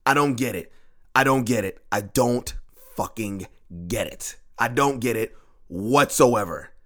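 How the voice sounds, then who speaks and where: A man with a worn, hoarse voice, ranting on a sports podcast. His pitch sits in the middle of the male range. He keeps circling back to the same complaints with exasperated swearing. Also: a little slow. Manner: frustrated, profane, repetitive ranting. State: hoarse, lost voice. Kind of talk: solo ranting sports talk.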